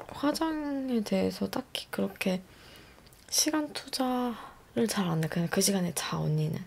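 Somewhat breathy, a woman speaks at a very slow pace, her pitch swinging very widely. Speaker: live streamer. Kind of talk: casual livestream chat about makeup. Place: home room. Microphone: studio mic.

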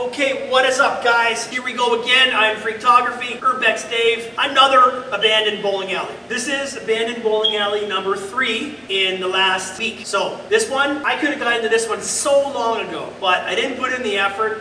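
A man speaks in a raised, projected voice at a moderate pace, with fairly even intonation and hardly any pauses. Audible room echo and light background noise are present. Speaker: urban explorer vlogger. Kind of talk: casual vlog chat. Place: hall.

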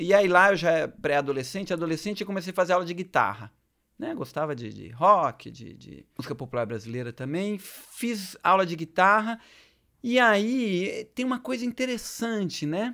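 A man's high voice, bright and sharp in tone, jumps across very wide pitch swings. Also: moderate pace, big swings in loudness, quiet background. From Brazil, Campinas (São Paulo state); São Paulo state, Brazil. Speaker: cellist, cello teacher and clown; cello teacher. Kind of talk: interview conversation. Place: home room. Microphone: studio mic.

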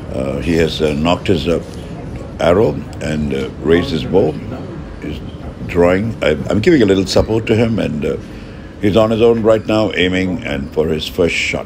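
Over noticeable background noise, a man with a very deep, low pitch talks at a moderate pace with long, frequent pauses. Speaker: archery coach, vlogger. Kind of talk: commentary. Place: open country. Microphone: phone near.

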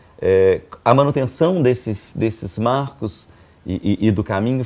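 A man's medium-pitched speech shows ordinary pitch variation. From Minas Gerais, Brazil. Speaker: long-distance walker. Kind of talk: interview answer. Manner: hesitant, casual. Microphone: lapel.

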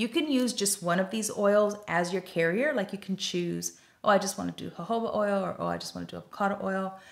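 Against a quiet background, a woman speaks at a fairly quick pace with hardly any pauses. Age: 40s. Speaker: lifestyle and sewing YouTuber. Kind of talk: tutorial. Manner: casual, conversational with frequent fillers. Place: home room. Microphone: phone near.

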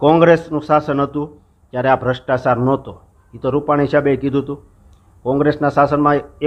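Using an ordinary speaking voice, a man speaks at a medium pitch with fairly even intonation. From Saurashtra, Gujarat (Bhavnagar/Amreli). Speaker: politician, election candidate. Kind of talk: interview.

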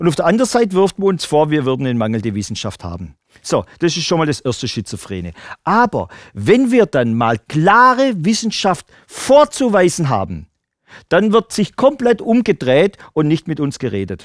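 A man with a Swabian accent speaks at a moderate pace, his fairly high pitch making very wide swings. The sound is dry with no echo and the background quiet. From Swabia, southwestern Germany. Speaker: cancer researcher and speaker; lecturer. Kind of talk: public lecture. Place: stage.

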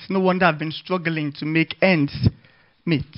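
A man with a Nigerian accent talks at a high pitch and a moderate pace. His intonation is fairly even, against a quiet background. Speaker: spoken word poet. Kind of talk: live spoken word poetry performance addressed to his child. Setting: stage with live open mic audience. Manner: rhythmic, incantatory delivery with repeated refrains; building, exhortative intensity with emphatic commands.

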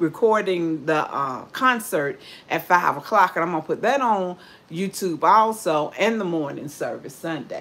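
With a Southern US accent, a woman speaks at medium pitch and a fairly slow pace. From US South. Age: 70s. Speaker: cooking channel host; home cook live streamer. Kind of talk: livestream cooking demo. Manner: warm, chatty. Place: kitchen. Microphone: phone near.

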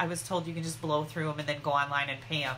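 A woman's animated tone over noticeable background noise. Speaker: craft demonstrator. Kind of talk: casual live stream chat. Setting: Facebook live video from home. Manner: chatty, animated.

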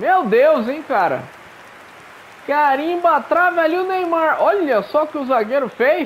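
With an extremely high pitch and ordinary pitch variation, a man speaks at a fairly slow pace and leaves long, frequent pauses. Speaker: gaming youtuber. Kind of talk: gameplay commentary. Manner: animated.

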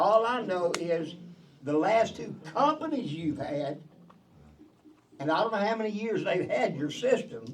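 A man with a high pitch speaks at a fairly slow pace, his pitch swinging very widely, with long, frequent pauses. Room echo is audible. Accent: Texas. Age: 80s+. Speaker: water and wastewater operator. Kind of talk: heated debate. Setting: city council meeting. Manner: animated.

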